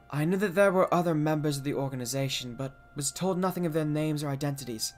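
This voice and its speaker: A young man casually commenting on a game he is streaming, blunt and jokey, and he reads the game's text aloud in between. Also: fairly high pitch. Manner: blunt, sweary, joking.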